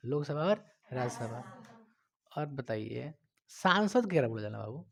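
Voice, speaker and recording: A male teacher with a Bihari Hindi accent, giving a classroom lecture, quizzing his students and scolding them, loud one moment and quiet the next. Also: mid-range voice, very animated, unhurried, vocal fry. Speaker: coaching teacher.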